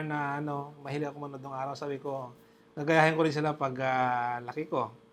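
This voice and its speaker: A man holds a moderate pace, his intonation monotone and flat. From Philippines, Pangasinan (Bolinao island). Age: 40s. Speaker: police chief. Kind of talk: interview testimony. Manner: formal, polite with frequent fillers.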